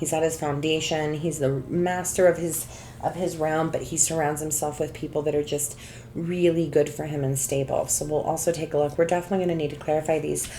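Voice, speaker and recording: Over noticeable background noise, a woman with a very deep, low pitch talks at a fairly quick pace with fairly even intonation. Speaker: tarot reader. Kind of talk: tarot reading monologue. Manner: casual, hesitant with fillers.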